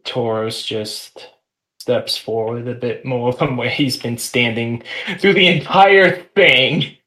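A man's voice: medium pitch, sharp tone. A man playing in a tabletop game, speaking hesitantly. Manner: hesitant, halting. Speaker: player. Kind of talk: casual tabletop role-play.

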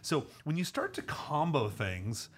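A man's voice: on the high side, wildly swooping pitch, a little slow, a bit bright. A man guesting on a studio podcast, explaining food and wine in a loose, chatty way with many restarts. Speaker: winery executive guest. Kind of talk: casual podcast chat.

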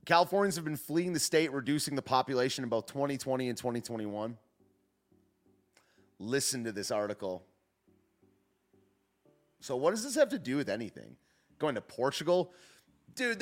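A man hosts a casual livestream, joking and rambling through his commentary. His pitch swings widely as he talks, and his voice sits at a middling height. Faint music plays underneath him. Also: a bit bright. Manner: joking, rambling, trails off and restarts. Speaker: livestream host. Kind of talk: casual commentary, reading chat.

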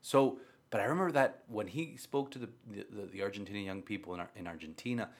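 At a quick pace and in a lowish voice, a Spanish-raised Catholic priest chats about faith. He repeats phrases for emphasis throughout this conversational religious talk.

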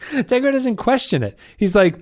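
A man's voice: very high voice, very animated, measured pace, a little hiss or hum. A man co-hosting a podcast in casual chat, hesitant with many restarts and frequent laughter. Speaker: podcast co-host.

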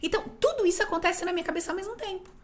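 A woman with a Brazilian accent hosting a podcast, telling stories in an expressive, emphatic, casual way. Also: very high voice, very fast. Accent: Brazilian Portuguese. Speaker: podcast host. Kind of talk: casual chat.

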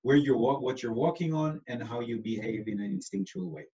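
A man's voice: mid-range voice, animated, fast talker, creaky, mellow, highs cut off. A man from Israel with an Israeli accent, explaining things patiently in an interview, with lots of fillers. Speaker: astrologer guest.

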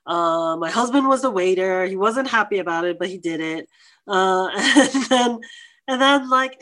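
Interview guest: woman, 40s, from New York, animated storyteller who mimics voices. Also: mid-range voice. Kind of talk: conversational interview.

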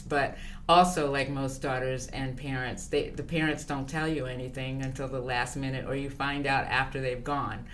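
An older woman speaking as an interview guest, answering in a thoughtful, measured way with fillers and pauses. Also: rumbling low, a bit bright, slight background noise. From born in Liberia, raised abroad. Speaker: guest, consultant.

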